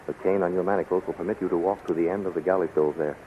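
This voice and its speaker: A man's voice: low voice, steady tone, very fast, close to an everyday voice. An actor playing a loyal Hawkman captain in a 1930s radio serial, firm, formal and consoling. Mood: resolute. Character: loyal, resolute Hawkman captain, reassuring soldier. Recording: scratchy, tinny 1930s radio recording.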